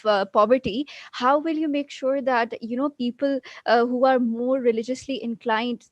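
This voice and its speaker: A woman's voice: fairly high pitch, no room sound, highs cut off. A woman from Pakistan politely putting a prepared question to a speaker at an online event. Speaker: audience questioner.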